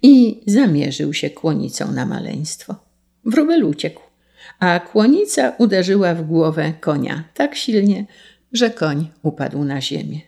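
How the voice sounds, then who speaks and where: A woman narrating a fairy tale in a slow, measured storybook reading. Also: on the low side, very animated, creaky, mellow.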